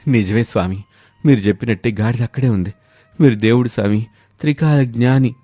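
A man's voice: mid-range voice, fairly quick, dark tone, natural voice. A man voicing a hapless, gullible villager in a moral story, with a pleading, emotional manner. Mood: awed, grateful. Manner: wailing, pleading. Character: hapless, gullible villager who keeps losing things. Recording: music behind the voice.

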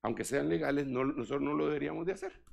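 An older man preaching a sermon in an animated style, with joking asides to the congregation. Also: on the high side, quick pace, gravelly. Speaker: apostle preaching.

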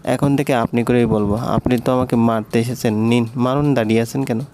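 A man's voice: mid-range voice, steady tone, a little fast, background noise, natural voice. A man voicing a stubborn young college girl who answers back in petulant retorts in a storybook reading. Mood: sulky.

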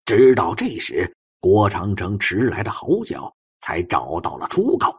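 Husky, dramatic male storyteller with swooping pitch. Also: huge pitch swings, unhurried. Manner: theatrical, suspenseful storytelling with swings from hushed to forceful. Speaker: audiobook narrator. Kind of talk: dramatic suspense audiobook narration.

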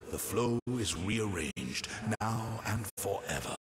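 An actor playing an ancient, solemn talking tree in a fantasy video game, speaking in stately, formal pronouncements. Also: male voice, fairly low pitch, animated, slow. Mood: grave, foreboding.

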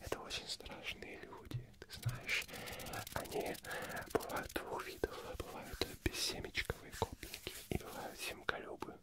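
Young guy doing a teasing cheshire cat, whispered role-play, super breathy, barely audible, repeats himself, right up on the mic. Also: unhurried, natural voice. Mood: playfully ominous. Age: young adult. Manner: repetitive, hushed, half-intelligible murmuring. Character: sly, playful, teasing male Cheshire Cat guide. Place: small foam-padded indoor studio. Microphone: close ASMR microphone.

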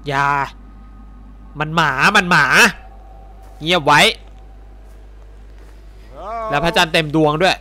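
A male game streamer doing casual let's-play commentary, excitable and swearing as he reacts. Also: fairly high pitch, normal speed.

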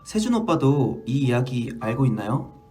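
A man in his twenties hosting a casual livestream, reading fan stories aloud with an animated, jumpy manner. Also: mid-range voice, moderate pace, soft background music. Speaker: idol livestream host.

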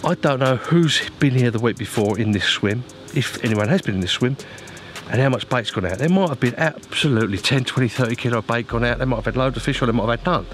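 A man's voice: medium pitch, fast, slight background noise. A man chatting casually to viewers as an angler presenting a vlog, informal and matey, giving practical advice.

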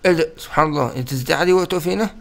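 Man, Egyptian Arabic accent, young adult, gaming commentary, rapid, slightly high voice. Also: gravelly, a little hiss or hum. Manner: playful, chatty, addresses viewers directly. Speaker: gaming YouTuber. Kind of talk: casual gameplay commentary.

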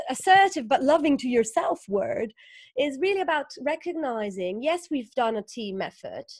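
A woman with a fairly high-pitched voice, from northern Italy, appears as a guest author in a conversational video-call interview, speaking thoughtfully with many fillers and rhetorical questions. She uses a webcam in a small indoor room, yet the sound is clean and studio-like with no room sound.

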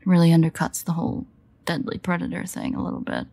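A woman playing a sardonic, guarded but fond vampire in an intimate audio roleplay, wry and hesitant in manner, with a husky, gravelly voice. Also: fairly low pitch, huge pitch swings, fast, dark tone, heavily acted. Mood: teasing.

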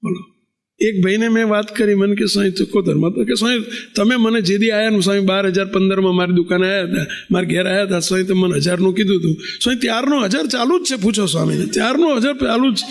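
Monk guy preaching, highish voice w/ some gravel, keeps asking the crowd stuff. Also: quick pace. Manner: animated, rhetorical questions to the audience. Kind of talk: sermon to a congregation.

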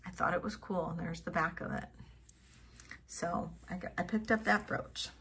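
A middle-aged woman casually showing off vintage jewelry finds, thinking aloud and trailing into soft mutters as she tests stones. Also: fairly low pitch, fairly even intonation, moderate pace, gravelly, a little hiss or hum. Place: home office at a table.

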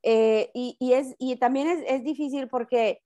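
Woman, Mexican accent, middle-aged, high voice, loud, casual chat, restarts often. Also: steady tone, unhurried, highs cut off. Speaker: guest mother on a radio talk show.

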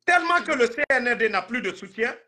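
A man's voice: very high-pitched, animated, fast talker, bright, forceful tone. A man in his thirties with a Guinean accent, talking politics on a live stream in an emphatic, indignant, repetitive way. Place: indoor room, video call.

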